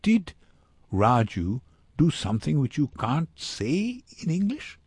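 A man's voice: a little high, sing-song, slow, a little mellow, slightly rough, dry recording, pitched above the performer's own voice, heavily acted. A man voicing a concerned, stubborn woman in a storybook, speaking with earnest insistence. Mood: insistent, concerned. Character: concerned, stubborn, determined woman helping a child.

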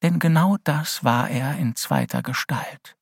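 A man's voice: a little high, unhurried, creaky, breathy edge, no room sound, clean studio sound. A man reading an audiobook aloud as narrator.

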